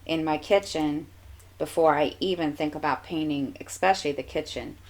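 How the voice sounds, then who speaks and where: Woman, low voice, stuffy nose, relaxed rambling crafting vlogger. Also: moderate pace. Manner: chatty, meandering, many fillers and restarts. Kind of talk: casual rambling chat.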